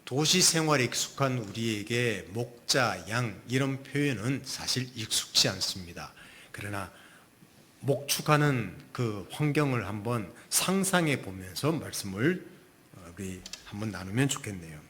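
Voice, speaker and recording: A man delivers a Sunday sermon as a pastor. He talks in a loose, conversational way and drops in offhand asides. His pitch swings widely from phrase to phrase. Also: measured pace. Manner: relaxed, conversational preaching with asides.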